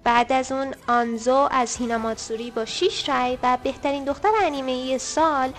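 A woman co-hosting a podcast, reading out poll results in casual chat, brisk and a little teasing. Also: sits high, fairly even intonation, soft background music. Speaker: podcast co-host.

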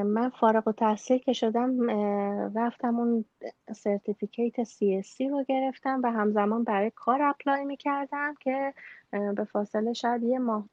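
A woman from Iran with an Iranian accent, answering interview questions conversationally in a halting way, mixing in English loanwords. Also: on the high side, darkish tone, no room sound, highs cut off. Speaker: interview guest, bank employee.

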